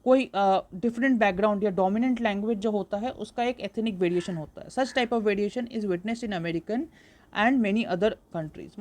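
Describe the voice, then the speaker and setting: Woman tutor, slow explaining style. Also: mid-range voice, darkish tone. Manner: explains slowly, mixing English terms, with frequent fillers. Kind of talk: exam-prep lecture.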